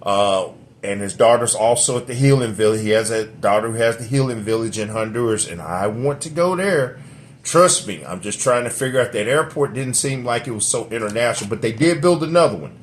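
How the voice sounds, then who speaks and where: A man's voice: a little fast, slight background noise. A middle-aged man vlogging from home to a camera he set up, talkative and rambling with lots of fillers and restarts. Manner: drops into a deep put-on radio voice. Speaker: vlogger reviewing a product. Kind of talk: rambling casual vlog. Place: home room. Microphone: camera set up nearby.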